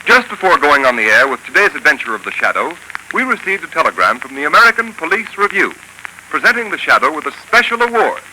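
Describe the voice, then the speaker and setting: A man's voice: on the high side, big pitch swings, fast talker. A man announcing a 1930s radio program and reading a sponsor's commercial in an emphatic, declamatory way. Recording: hissy 1930s radio broadcast recording.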